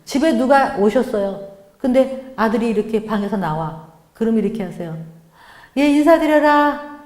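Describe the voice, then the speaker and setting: Animated middle-aged woman, echoey hall. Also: mid-range voice, normal speed. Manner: animated, acts out quoted lines of family members. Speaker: guest speaker at a church mothers' prayer meeting. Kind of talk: lively lecture-sermon. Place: church sanctuary.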